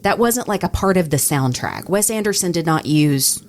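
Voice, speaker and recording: A woman's voice: on the low side, animated, normal speed, slight background noise. A woman who works in radio, chatting casually and acting out remembered exchanges as a podcast co-host. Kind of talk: casual conversational storytelling.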